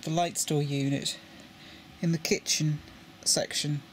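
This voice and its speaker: A British model railway hobbyist gives a casual, hands-on tutorial at a table indoors, speaking haltingly and repeating words while handling parts. He has a British English accent and a slightly high, level voice, with slight background noise.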